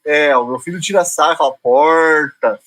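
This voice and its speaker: A middle-aged man from Curitiba with a local accent, a guest talking in a relaxed, self-deprecating way. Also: fairly high pitch, moderate pace. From Curitiba, Brazil. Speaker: guest columnist. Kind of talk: casual interview chat.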